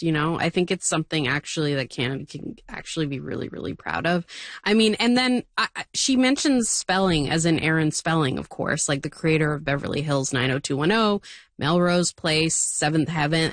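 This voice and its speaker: A woman's voice: low voice, no echo. A woman co-hosting a podcast, chatting enthusiastically with many fillers. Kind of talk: casual chat.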